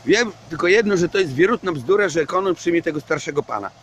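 A man's voice: fairly high pitch, expressive, quick pace, fairly bright tone, dull audio, a little hiss or hum. A man rambling in a casual vlog monologue while walking outdoors at night. He hedges a lot and swears casually. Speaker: vlogger. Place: outdoors at night under a street lamp.

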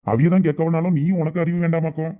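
A man's voice: a little high, steady tone, close to an everyday voice. A man with a Thoothukudi Tamil accent playing a husband and shop owner who lectures his wife. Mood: lecturing. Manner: brisk, lecturing. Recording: dull lo-fi sound.

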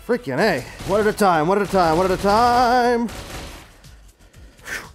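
A man with a slightly high voice talks himself through a video game. He speaks casually in short, repeated bursts and exclaims in mild, clean language. Game music plays behind him. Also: expressive, unhurried. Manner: exclamatory, self-narrating, mutters repeated short phrases. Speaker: gaming video host. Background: game music and sound effects.

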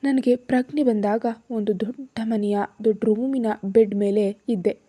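Scared young student read by a woman narrator, soft pleading tone, mellow voice. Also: fairly high pitch, steady tone, measured pace, slightly rough. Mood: tearful.

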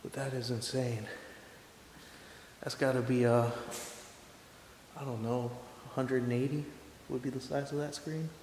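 A man's voice: mid-range voice, little pitch movement, a little slow, long pauses, a little mellow. A young man narrates his walk through a large empty house for his camera, awed and on edge, calling out into the rooms and dropping to a whisper. His tone stays fairly level. The bare rooms ring with echo, and a faint hiss sits under the camera mic. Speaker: urban explorer. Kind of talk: exploration vlog narration. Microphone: handheld camera mic.

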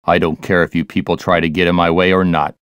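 An actor playing a grave, megalomaniac corporate villain in a video game, with stilted, deliberate, ominous delivery. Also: male voice, deep voice, little pitch movement, a bit bright, clear, resonant tone, dry recording, clean studio sound. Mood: calm menace.

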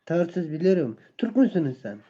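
A man from Afghanistan with an Afghan accent, chatting casually in broken, halting, foreign-learner phrases with simple grammar. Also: on the high side, very animated, dark tone, slightly rough, dull audio. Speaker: guest caller on a live stream. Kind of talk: casual chat.

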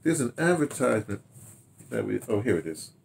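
An American man in his sixties reminisces casually in a rambling, halting way, repeating words and throwing in animated asides, recorded in a home study. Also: medium pitch, vocal fry, a little hiss or hum. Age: 60s. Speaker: radio drama director telling his history. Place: small home study, indoors.

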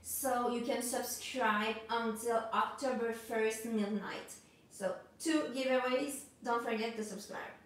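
A woman's voice: fairly high pitch, fairly even intonation, slow, fairly bright tone, a little hiss or hum. A woman in her thirties with a French accent, hosting a live art masterclass and greeting viewers, hesitant with many ums and restarts. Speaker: art instructor hosting a livestream. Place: home studio room with art supplies on a table. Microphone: camera a few feet away. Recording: echoey room, voice from a distance.

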